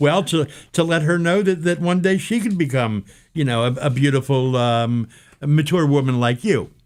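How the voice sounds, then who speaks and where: A man with a normal speaking voice, fairly high in pitch, talks at a moderate pace with lively intonation and very even loudness. The recording is very clean, with a silent background. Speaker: TV news host. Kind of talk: interview question.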